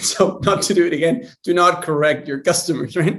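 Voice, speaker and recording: A man with a high pitch and a fairly quick pace. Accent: Spanish. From Argentina. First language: Spanish. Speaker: panelist in LGBTQ tech event. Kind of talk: panel discussion.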